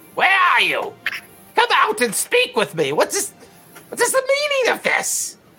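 Faint music plays in the background of a put-on character voice. It sits at an extremely high pitch and moves at a fairly slow pace. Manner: commanding, demanding.

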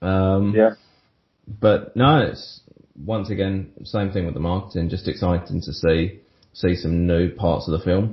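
At a fairly slow pace, a man with an English accent speaks in a very deep, low pitch, somewhat breathy, with ordinary pitch variation. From England. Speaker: podcast co-host. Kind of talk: casual chat.

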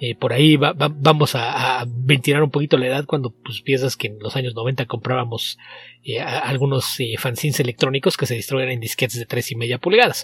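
Somewhat breathy, a man speaks at a fairly quick pace with fairly even intonation, the sound dry and close with no echo. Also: medium pitch for a man. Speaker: translator and editor. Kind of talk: casual chat. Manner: halting, frequent repetitions.

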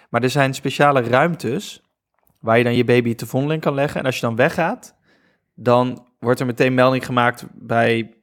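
Loudness stays very even at a fairly slow pace. The recording is very clean, with a silent background. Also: man, medium pitch for a man, fairly even intonation. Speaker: work-from-home dad, podcast co-host. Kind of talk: casual chat.

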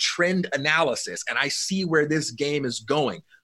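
A man with a fairly high pitch and a bright, sharp tone speaks in an American accent, his pitch moving in an ordinary way. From Chicago, US. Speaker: entrepreneurship educator and speaker. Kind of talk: casual interview.

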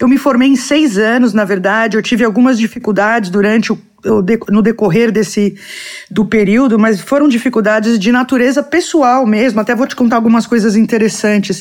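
A woman with a plain, everyday voice speaks at a fairly quick pace in a fairly high pitch with ordinary pitch variation. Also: very even loudness. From São Paulo city, Brazil. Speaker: psychologist. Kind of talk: interview.

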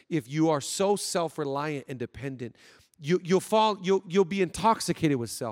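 An animated man with a fairly high pitch and lively intonation at a fairly quick pace, dry, close sound with no echo, very clean recording, silent background. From US West Coast (Seattle area). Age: 40s. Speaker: pastor. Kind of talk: sermon. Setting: church.

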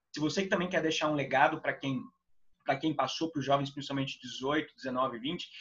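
Moving at a fairly quick pace, a man uses an ordinary speaking voice with ordinary pitch variation. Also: fairly high pitch for a man. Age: 30s. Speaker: parliamentary aide and youth speaker. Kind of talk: podcast interview.

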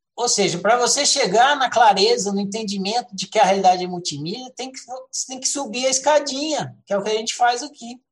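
The delivery runs at a fairly quick pace. Hardly any pauses break it up. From Brazil, countryside. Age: 50s. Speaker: self-knowledge study group facilitator. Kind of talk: lecture.

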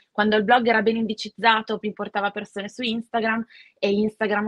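A woman speaks at a very fast pace. Her voice sits at a medium pitch. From Milan, northern Italy. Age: 30s. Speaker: food blogger. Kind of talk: casual chat.

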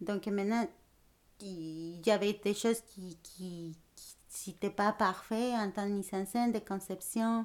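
In a very clean recording with a silent background, a woman with a Spanish accent speaks at medium pitch with fairly even intonation. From Mexico City, Mexico. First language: Spanish (speaking French). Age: 40s. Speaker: theatre director and actress. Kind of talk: interview. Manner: halting, many hesitations.

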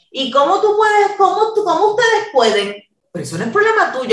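With audible room echo, a woman speaks in very wide pitch swings. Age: 40s. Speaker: researcher on weight stigma. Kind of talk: casual interview. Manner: animated.

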